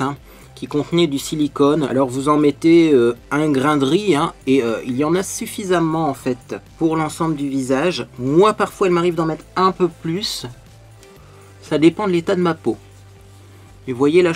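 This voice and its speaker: A man vlogging as he gets ready, chatting and explaining beauty products, with many fillers along the way. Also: fairly high pitch. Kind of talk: get-ready-with-me vlog, product demo.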